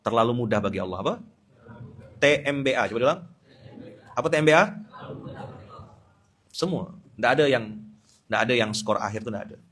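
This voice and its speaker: A man's voice: mid-range voice, expressive, fairly quick, pauses often, a bit bright, slightly rough. A man from Indonesia, preaching a dawn sermon with humor and Quran recitation.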